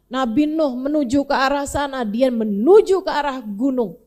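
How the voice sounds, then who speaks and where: A woman's voice: high voice, normal speed, a little mellow. A woman preacher telling a story in a sermon, acting out the dialogue and chanting scripture verses. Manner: dramatic, acts out dialogue with Quranic recitation. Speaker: Islamic preacher.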